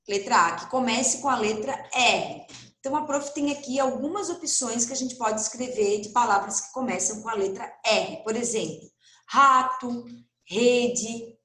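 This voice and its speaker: A woman's voice: fairly high pitch, fairly bright tone, echoey room. A woman with a Brazilian Portuguese accent, teaching first graders in a recorded online class, patient and stretching words out for young children.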